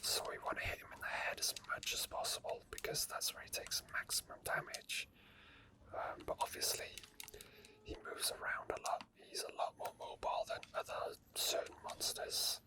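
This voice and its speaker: A man whispering unscripted ASMR gameplay commentary in a breathy, unvoiced murmur with hesitant asides. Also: normal speed. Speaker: game streamer.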